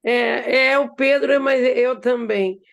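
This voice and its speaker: A woman recounting a personal story in an online study group, speaking slowly and conversationally over a video call. Her voice sits a little high, and she stops to act out what others told her. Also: steady tone, creaky. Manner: unhurried, conversational, retells dialogue. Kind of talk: casual storytelling in a group discussion.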